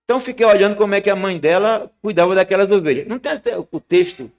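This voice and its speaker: Guy preaching a sermon, kinda high voice, goes big then drops real quiet. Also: quick pace. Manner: storytelling, with sharp rises and drops in pitch and loudness. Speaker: guest preacher. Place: church.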